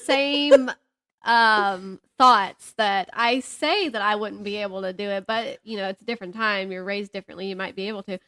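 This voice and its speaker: A woman chatting casually as a podcast co-host, telling stories in an animated way and acting out what people said. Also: medium pitch, normal speed. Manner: animated storyteller who acts out reported dialogue and jokes at herself. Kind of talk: casual chat, storytelling.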